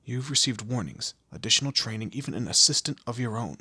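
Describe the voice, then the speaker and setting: A man playing a commanding, teasing demon lord in an audio roleplay, with a low gravelly, husky voice and an imperious, theatrical manner. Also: lively intonation, quick pace, sharp tone, dry recording, full character voice. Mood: stern, threatening. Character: male demon lord, commanding, menacing, teasing boss of hell. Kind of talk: scripted audio roleplay addressed to the listener.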